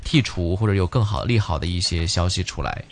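A man's voice: deep voice, expressive, fairly quick, slight background noise. A man hosting a radio finance interview, speaking Mandarin with a Cantonese accent. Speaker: radio finance show host. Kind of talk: broadcast interview.

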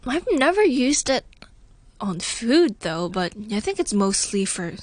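A woman's voice: on the high side, very animated, unhurried, a little mellow, dry recording. A young woman guest on a radio chat, explaining slang in an agreeable, matter-of-fact way. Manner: explanatory, agreeable, many short yeses.

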